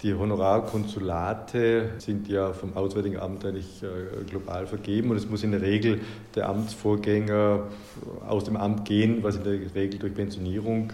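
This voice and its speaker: Flat, monotone intonation with audible room echo. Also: man. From Germany and Austria. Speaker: honorary consul. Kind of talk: interview.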